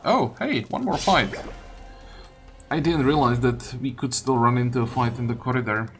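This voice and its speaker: A man's voice: mid-range voice, moderate pace. A man giving casual game commentary, thinking aloud through his tactics in loose fragments. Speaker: gaming video creator. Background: game music.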